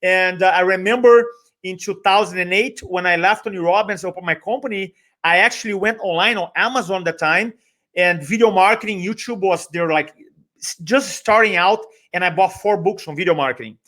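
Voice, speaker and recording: A man's voice: sits high, brisk, pushed and bright. A middle-aged man from Brazil with a Brazilian accent, talking conversationally and motivationally as a guest, with emphatic repetition and rhetorical questions. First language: Portuguese. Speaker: guest, speaker trainer and business owner.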